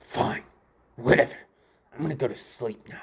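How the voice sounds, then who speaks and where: A man does a growling put-on character voice at medium pitch and a moderate pace. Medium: solo performance. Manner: menacing, casual.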